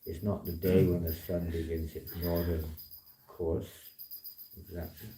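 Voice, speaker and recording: Hoarse man in an echoey temple hall. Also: sits low, little pitch movement, a little slow, dark tone, far from the mic, slight background noise. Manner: dry, wry humor, rambling asides. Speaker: monk giving a temple talk. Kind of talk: informal spiritual talk. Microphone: distant room mic, later handheld.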